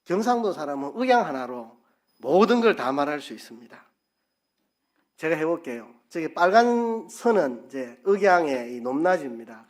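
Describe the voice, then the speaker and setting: A male pastor preaching a sermon in a church, lively and playful, acting out tones of voice to make his point. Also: medium pitch. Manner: lively, playful, demonstrates intonation by repeating syllables. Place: church sanctuary.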